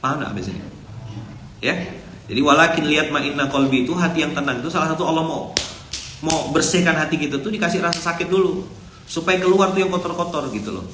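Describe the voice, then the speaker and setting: A man's voice: a little high, quick pace, background noise. A man preaching a casual, chatty sermon as an ustadz, telling stories and acting out dialogue. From Indonesia. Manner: chatty, storytelling, acts out dialogue. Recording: echoey room with faint ambience.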